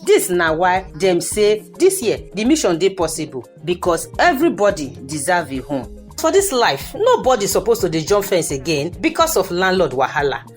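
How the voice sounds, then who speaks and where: Animated Nigerian woman acting a streetwise radio adviser. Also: lowish voice, normal speed, soft background music. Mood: lively, persuasive. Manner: folksy, exclamatory, persuasive, addressing listeners directly. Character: Madam Cho Cho Cho, lively streetwise woman giving housing advice. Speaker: radio segment presenter. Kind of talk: Nigerian Pidgin radio monologue.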